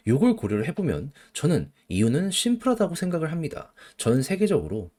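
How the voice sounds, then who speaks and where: Animated man explaining stock market moves. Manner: animated, rhetorical questions, emphatic pitch swings. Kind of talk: solo market commentary.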